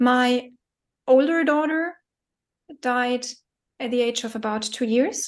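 Speaking in a German accent at a very slow pace, a woman with a high-pitched voice leaves long, frequent pauses. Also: ordinary pitch variation. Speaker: grief coach. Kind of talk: interview. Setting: remote call.

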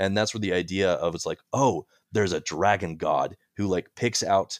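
A man talks in a normal speaking voice at a moderate pace with lively intonation. The recording is very clean with a silent background and a dry, close sound with no echo. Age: 30s. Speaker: author. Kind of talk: casual chat.

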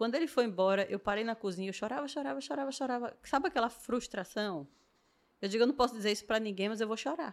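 Speaking at a very fast pace with lively intonation, a woman with a fairly high pitch and a strong northeastern Brazilian accent comes through on a very clean recording with a silent background. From Northeast Brazil. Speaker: pastor's wife, adoptive mother. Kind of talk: casual chat.

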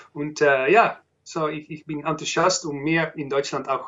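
With a Dutch accent, a man talks at a fairly slow pace. His pitch is fairly high. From Netherlands. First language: Dutch (speaking German). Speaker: children's musician. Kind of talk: interview. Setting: phone call. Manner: halting.

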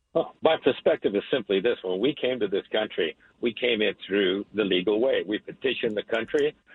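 Speaking in a normal speaking voice at a fairly quick pace, a man uses ordinary pitch variation and hardly any pauses. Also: medium pitch for a man. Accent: American. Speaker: caller. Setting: phone call.

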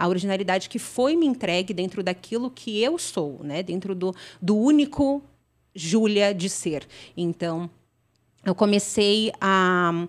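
On a very clean recording with a silent background, a woman at a medium pitch talks at a fairly slow pace with lively intonation and an animated tone. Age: 20s. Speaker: English teacher and content creator. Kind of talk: casual interview.

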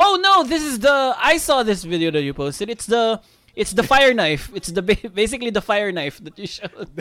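A man projects a raised, high voice at a moderate pace, with very wide pitch swings and big swings in loudness. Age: 30s. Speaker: podcast co-host. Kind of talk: casual chat.

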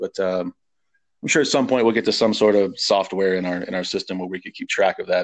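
A man with an American accent at a very fast pace, fairly low in pitch, in a dry, close sound with no echo against a quiet background. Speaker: reseller guest. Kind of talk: casual interview chat.

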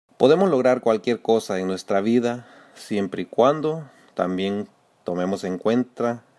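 The recording is very clean, with a silent background. Speech comes at a very slow pace with ordinary pitch variation. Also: man. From El Salvador. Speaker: podcast host, motivational speaker. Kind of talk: motivational monologue.

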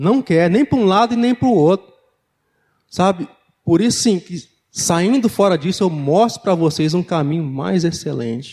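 A man speaks with a high pitch and lively intonation. His tone is dark and mellow, and his pace is moderate. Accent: Brazilian. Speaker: pastor. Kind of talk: sermon.

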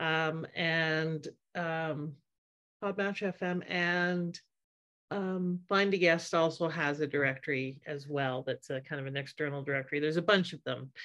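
Against a quiet background, a woman with a very deep, low pitch talks at a fairly slow pace. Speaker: podcast host. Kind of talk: interview. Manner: animated.

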